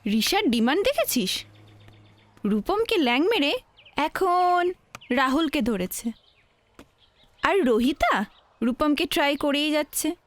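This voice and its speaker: A woman's voice: high-pitched, lively intonation, slow, pauses often. An actress playing a modest young college girl, loyal to one boyfriend, chatting and defending herself in a film scene. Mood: chatty. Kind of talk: Bengali film dialogue. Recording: film soundtrack with faint music.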